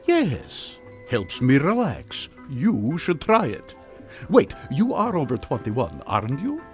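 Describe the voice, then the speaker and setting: Nonchalant older villain, retired mad scientist: dry wit, hugely animated pitch, radio comedy with music underneath. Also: male voice, takes it slowly. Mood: breezy teasing. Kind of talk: comedic radio drama acting. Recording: music behind the voice.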